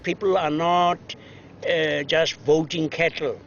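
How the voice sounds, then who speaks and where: A man in an interview, speaking reflectively and haltingly, with many fillers. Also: on the high side, fairly even intonation, slight background noise. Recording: dull lo-fi recording.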